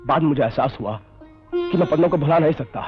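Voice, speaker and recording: A man's voice: a little high, quick pace, muffled recording, over music, close to an everyday voice. An actor playing a hot-headed young man in love in an old film drama. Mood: contrite. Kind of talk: 1980s film drama acting.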